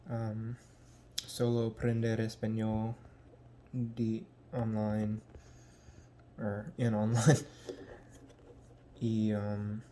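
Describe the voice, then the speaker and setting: Young American man, language-learner vlog, halting, slow, mellow voice. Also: on the low side, completely flat delivery, slight background noise. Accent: American English. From United States. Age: young adult. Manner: halting, searching for words with many ums. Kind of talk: casual vlog.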